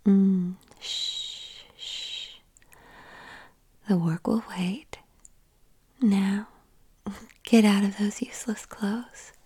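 Woman, whispered ASMR roleplay, very slow and mellow, soft and soothing, close to the mic. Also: mid-range voice, fairly even intonation, breathy edge. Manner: tender, soothing.

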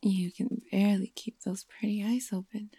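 A woman playing a predatory, seductive female creature that drains life, speaking in a breathy, whispered, domineering tone in an erotic audio roleplay. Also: mid-range voice, fairly even intonation, normal speed, dark tone.

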